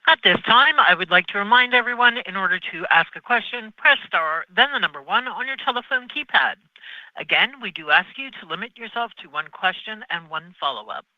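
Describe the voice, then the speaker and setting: A woman's voice: medium pitch, animated, fairly quick, no echo. A woman working as a conference call operator, reading a formal, procedural scripted announcement. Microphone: conference call line. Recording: dull telephone conference audio.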